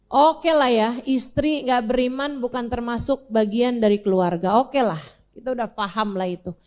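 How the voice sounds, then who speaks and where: A woman preacher telling a story in a sermon, talking casually and directly to her audience, swinging between soft and emphatic. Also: a little high, moderate pace. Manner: colloquial, addresses audience directly. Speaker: Islamic preacher.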